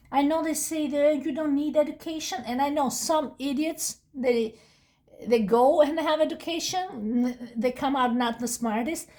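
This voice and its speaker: A woman's voice: sits high, dark tone. A woman with a non-native English accent giving a casual, rambling tarot reading, full of restarts and asides. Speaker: tarot reader.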